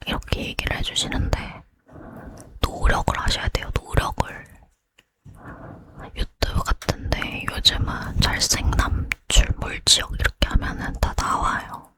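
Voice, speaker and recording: A woman doing a whispered role-play as a chatty, boy-crazy young woman getting ready to go out, leaning in to whisper in a breathy hush. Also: unhurried. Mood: chatty, determined. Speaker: ASMR creator.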